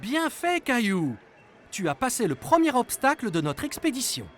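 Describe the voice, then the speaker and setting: An actor playing a gentle, playful, encouraging father in a children's cartoon, reassuring and simple in phrasing. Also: medium pitch, big pitch swings, normal speed, natural voice.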